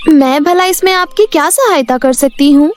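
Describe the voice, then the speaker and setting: A woman voicing a helpful, polite and clever young girl in an animated moral story. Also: high voice, moderate pace, natural voice. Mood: earnest. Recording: music behind the voice.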